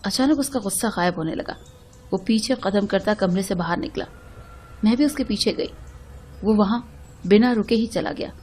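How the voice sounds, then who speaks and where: Woman, storyteller, emotional first-person narration, earnest, mid-pitched. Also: normal speed, pauses often, a little mellow, a little hiss or hum.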